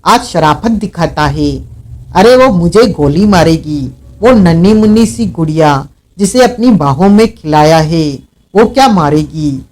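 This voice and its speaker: A man voicing a vengeful, hot-tempered male outlaw in an audiobook, shouting and snarling his threats. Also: fairly high pitch, animated, a little slow. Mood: taunting. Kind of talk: audiobook character reading.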